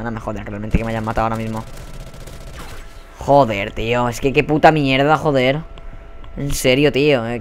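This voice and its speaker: A man's voice: medium pitch, fairly bright tone. A young man with a Spanish accent from Spain, giving live gameplay commentary with constant swearing and frustrated outbursts. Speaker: gaming YouTuber.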